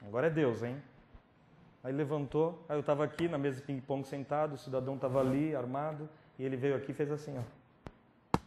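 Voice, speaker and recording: A male preacher telling a personal testimony at a youth camp, acting out scenes with sudden drops to whispers and loud pleading cries. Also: medium pitch, steady tone, fairly quick. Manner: dramatic storytelling, swinging from whispers to loud pleading. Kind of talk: testimony sermon. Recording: roomy hall recording with faint noise.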